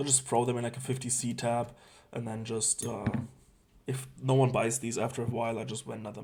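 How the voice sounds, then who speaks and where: Fairly quick, fairly even speech over music in the background. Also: man. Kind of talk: gaming guide talk to camera. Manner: casual, hesitant with fillers.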